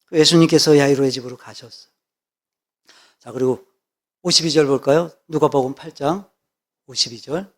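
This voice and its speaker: A man's voice: fairly high pitch, moderate pace, pauses often. A male pastor preaching a sermon, emphatic, repeating key words and asking rhetorical questions.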